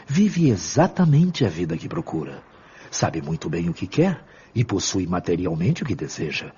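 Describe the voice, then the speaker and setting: Audio drama role: wise, serene male spirit guide, acted by a man, low voice, didactic and formal, lively intonation, muffled recording. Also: husky, exaggerated voice. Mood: patient, firm. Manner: measured, didactic, formal diction. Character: calm wise male spirit mentor, patient and firm. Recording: dull lo-fi audio.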